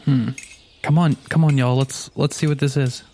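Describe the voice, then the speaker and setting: A man's voice: mid-range voice, fairly even intonation, moderate pace, warm tone, slight background noise. A man chatting casually as a player in a tabletop roleplaying game.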